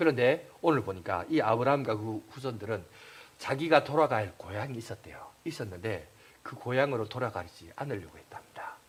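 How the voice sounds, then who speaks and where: Speaking with a Gyeongsang accent, a man at medium pitch uses lively intonation and big swings in loudness at a moderate pace. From South Korea, Gyeongsangbuk-do (Uiseong). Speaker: pastor. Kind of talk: sermon.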